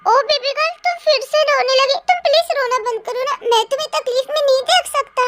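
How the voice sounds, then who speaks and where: A performer with a high young voice plays an obsessive young man in a fan audio drama, with a creepy sing-song sweetness that drops to low threats. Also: fast. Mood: mock-sweet. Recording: music bed under the voice.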